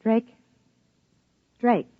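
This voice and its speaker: A woman's voice: very slow, dry recording. An actress playing a pensive, uneasy woman biologist and wife in a 1950s-style radio drama, earnest and introspective as she narrates and questions. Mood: uneasy, insistent. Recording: muffled old radio broadcast recording.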